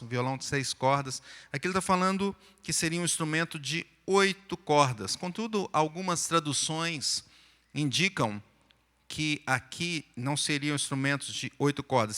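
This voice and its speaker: A Brazilian pastor delivers a sermon with a bright, forceful voice. His words carry a long reverb through the church hall. He talks in a relaxed, explanatory manner. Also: on the high side. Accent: Brazilian Portuguese. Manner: sings and chants psalm verses, then explains them plainly. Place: church sanctuary.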